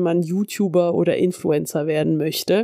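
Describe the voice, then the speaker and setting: A woman speaks over noticeable background noise. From France, bilingual French-German. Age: 40s. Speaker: team leadership mentor and podcast host. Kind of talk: solo podcast monologue.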